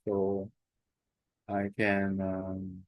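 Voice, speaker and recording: Halting man, slow and hesitant. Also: sits low, completely flat delivery, dry recording, highs cut off. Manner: halting, many fillers and restarts. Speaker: language learner. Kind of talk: casual self-recorded talk.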